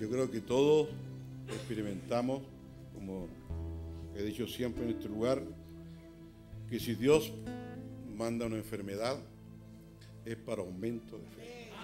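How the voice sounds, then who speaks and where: A man speaks at a fairly slow pace with long, frequent pauses. Music plays clearly in the background. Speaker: pastor. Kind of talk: sermon. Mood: earnest, reflective. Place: church. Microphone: podium.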